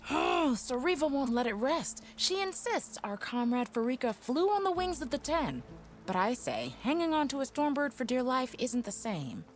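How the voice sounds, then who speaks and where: A woman's voice: high-pitched, very animated, moderate pace, soft background music. An actress playing a spirited, argumentative female tribal soldier in a video game. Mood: animated, gleeful. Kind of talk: video game cutscene acting.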